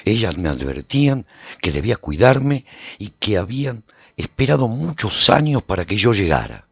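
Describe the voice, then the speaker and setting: A man narrating a radio drama in an expressive storytelling manner. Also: fairly low pitch, normal speed, vocal fry, husky, no room sound. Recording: dull lo-fi recording with faint music.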